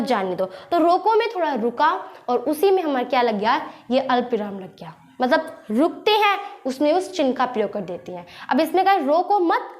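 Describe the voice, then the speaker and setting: A young woman hosting an online lesson, patiently explaining a practice quiz and often repeating herself with rhetorical questions. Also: sits high. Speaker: teacher and channel host.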